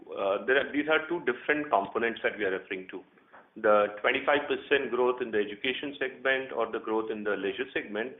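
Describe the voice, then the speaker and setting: Male executive, measured explanatory answers with hesitant phrasing, heard over echoey telephone audio. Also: mid-range voice. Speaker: company executive answering analysts. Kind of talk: earnings call answers, spontaneous business talk. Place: conference phone call. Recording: narrow phone line, roomy echo.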